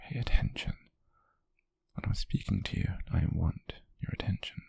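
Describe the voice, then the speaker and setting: A British man playing a possessive, wealthy young yandere in an ASMR roleplay, coaxing haltingly in a breathy, husky whisper with soft menace. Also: dry recording, lightly acted. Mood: possessive, insistent.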